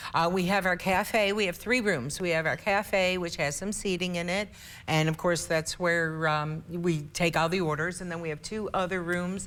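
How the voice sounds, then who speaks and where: A woman uses a normal speaking voice at a fairly low pitch, with fairly even intonation. She keeps a moderate pace with hardly any pauses. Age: 60s. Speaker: cafe co-owner and artist. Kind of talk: TV interview.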